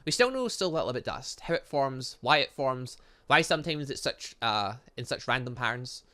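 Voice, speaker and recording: A man voicing a refined young heiress in a visual novel, reading her formal lines in a measured, slightly halting way. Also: medium pitch, expressive, bright, forceful tone. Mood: earnest, absorbed. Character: refined, prim young heiress, earnest about her passion.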